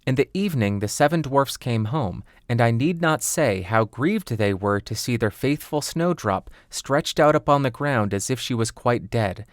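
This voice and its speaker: A man's voice: medium pitch, lively intonation, moderate pace, hardly any pauses, dry recording, clean studio sound. A man reading a scripted fairy tale as an audiobook narrator.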